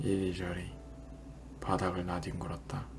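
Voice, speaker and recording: Music plays in the background as a man speaks in a soothing tone. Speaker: audiobook reader, bedtime reading channel host. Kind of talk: literary fiction reading. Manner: slow, soft-spoken, soothing.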